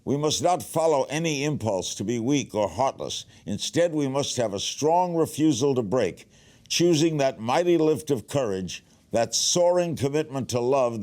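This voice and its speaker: Mid-pitched man reading a motivational manifesto. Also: darkish tone. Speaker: reader.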